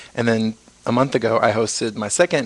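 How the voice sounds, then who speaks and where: This man talks at a fairly quick pace. His pitch sits in the medium range. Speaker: event host and promoter. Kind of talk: casual chat. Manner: talkative, outgoing.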